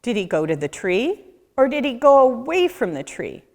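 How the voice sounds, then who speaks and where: Woman, children's book read-aloud, deliberate questioning storyteller, animated intonation, long room reverb. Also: fairly high pitch. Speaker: nature center educator reading aloud.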